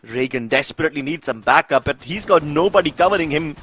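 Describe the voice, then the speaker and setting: Casting note: male esports caster and analyst, fairly high voice, big swings in intonation, emphatic. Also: expressive, quick pace, a bit bright. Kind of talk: live esports analysis and commentary.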